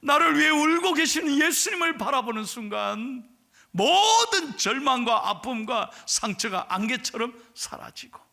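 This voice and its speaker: A middle-aged male pastor telling a story in a sermon, swinging from hushed whispers to loud exhortation. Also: very high voice, vocal fry.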